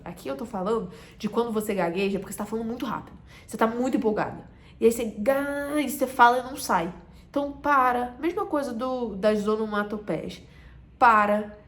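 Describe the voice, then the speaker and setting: Emphatic Carioca woman coaching on speech. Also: medium pitch. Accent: Carioca Brazilian Portuguese. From Rio de Janeiro, Brazil. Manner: emphatic, drops to a soft voice to make a point, then rises again. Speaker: communication coach. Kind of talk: direct-to-camera teaching talk.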